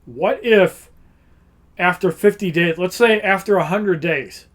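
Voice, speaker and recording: High-voiced blunt man. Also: measured pace, fairly bright tone. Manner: blunt, opinionated, swears freely. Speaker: podcast guest. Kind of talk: casual podcast chat.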